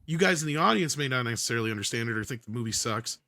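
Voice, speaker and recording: A man's voice: mid-range voice, expressive, rapid-fire, sharp tone, no room sound. A man giving casual, opinionated commentary on movies in a panel discussion, talking at length as he argues his point. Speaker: panelist on an entertainment news talk show.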